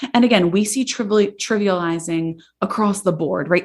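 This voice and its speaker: A passionate, animated tone at a moderate pace with ordinary pitch variation, in a very clean recording with a silent background. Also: woman. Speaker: podcast host and therapist. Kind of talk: solo podcast talk.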